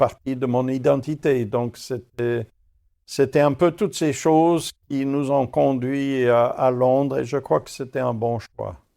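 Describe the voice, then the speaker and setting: Against a silent background in a very clean recording, a man speaks at a medium pitch and a very slow pace, with a dark, mellow tone and ordinary pitch variation. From Africa, English father and Swiss mother. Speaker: retired Salvation Army officer. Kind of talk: interview testimony. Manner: hesitant, many fillers.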